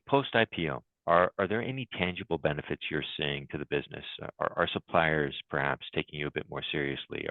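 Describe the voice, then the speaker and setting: A man asking questions as an analyst on a business call, politely, in a halting way that rephrases as he goes. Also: very deep voice, no room sound. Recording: thin phone-like call line, dry.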